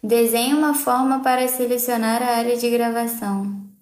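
A woman's voice: on the high side, fairly even intonation, moderate pace, darkish tone, roomy sound. A young adult woman with a Brazilian accent chatting casually and playfully on a livestream. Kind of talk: casual live-stream chat. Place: small indoor room at home.

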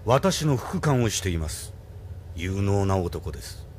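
A man's voice: low voice, big pitch swings, a little slow, slight background noise. An actor playing a stern male admiral who insists on rank, speaking in a formal, commanding way.

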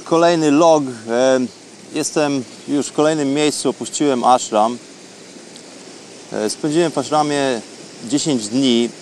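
A man hosting a programme, talking unscripted as in an audio travel diary, with halting, reflective phrasing. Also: medium pitch, a little mellow. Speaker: radio programme host. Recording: faint background ambient noise.

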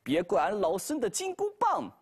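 A cocky, quick-tempered monkey king, as a man puts him on, scolds in a high, husky voice. The pitch leaps and swoops as he boasts, like a storybook hero. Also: huge pitch swings, heavily acted. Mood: scolding.

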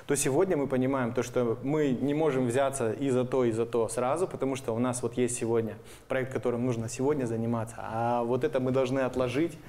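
A man in his thirties being interviewed as a guest, explaining things in a halting way with hesitant pauses. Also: medium pitch, steady tone, dark tone. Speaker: guest, animation studio representative. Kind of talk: studio interview, explaining plans. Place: indoor TV studio. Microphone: lapel mic.

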